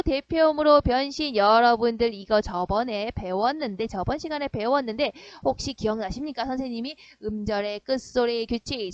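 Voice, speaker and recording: A woman teacher with a high voice runs an online grammar lesson. She keeps asking her students questions and answering them herself in a lively way. The sound is close and dry, a little dull. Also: no echo. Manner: animated, quizzing students with rhetorical questions.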